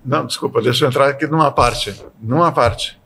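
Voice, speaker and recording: Man, gravelly, middle pitch, animated podcast talk. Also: a little fast, a little hiss or hum. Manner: animated, acts out everyday sayings in quoted voices. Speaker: podcast panelist. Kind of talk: casual podcast discussion.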